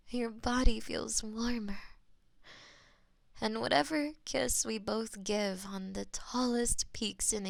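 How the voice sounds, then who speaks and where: In a romantic audio roleplay, a woman voices a possessive, lovestruck goddess of death, murmuring intimately and sliding into breathy whispers. Her voice is mid-range, with no room sound.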